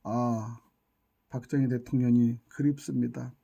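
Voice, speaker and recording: A man's voice: medium pitch, flat delivery, unhurried, creaky, mellow, lo-fi sound. A man giving an impassioned monologue, scolding and lamenting with rhetorical questions and insults. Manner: scolding, indignant, hurls insults. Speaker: YouTube channel commentator.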